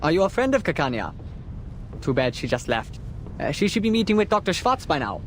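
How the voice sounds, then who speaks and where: A man voicing a polite, excitable art enthusiast in a video game, courteous and effusive. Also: on the high side, brisk, slight background noise. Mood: eager.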